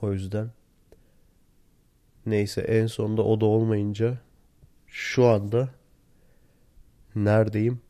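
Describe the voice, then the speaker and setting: A man hosts a casual solo podcast while sick and worn out. His hoarse voice is mellow and dark, with little melodic movement. He is recorded close and dry, talking informally to his listeners. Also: lowish voice, flat delivery, slow pace, long pauses, dry recording. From Turkey. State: sick and tired, lost voice. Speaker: podcast host. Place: in bed at home. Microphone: handheld voice recorder, close.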